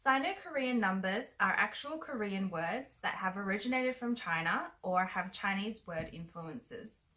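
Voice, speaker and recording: A young woman co-hosting a language lesson, calling out each prompt in a plain, unhurried way, indoors on camera. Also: medium pitch, lively intonation, pushed and bright, poor audio. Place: bright indoor room, seated.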